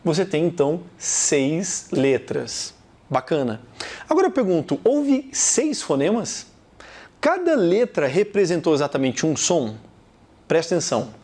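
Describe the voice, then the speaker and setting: A man with a Brazilian Portuguese accent teaching a recorded video lesson, talking straight to the viewer and repeating example words slowly. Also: a little high, very animated, a little mellow.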